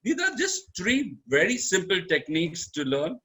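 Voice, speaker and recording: A man coaches public speaking in a live online lesson. His voice sits a bit high and sounds bright and forceful. He swings his pitch up and down for emphasis and coaxes his audience directly. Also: wildly swooping pitch, normal speed. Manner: coaxing, talks directly to the audience.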